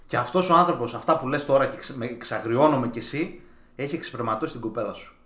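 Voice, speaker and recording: A man co-hosting a podcast, reading out listener messages with loud, crude, jokey banter. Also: mid-range voice. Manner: loud, swearing, laughing, jokey. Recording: echoey room.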